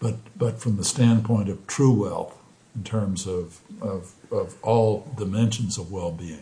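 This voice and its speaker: A man talks at a very slow pace with a fairly low pitch. He is somewhat breathy, with ordinary pitch variation. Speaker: interviewer. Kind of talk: casual interview conversation.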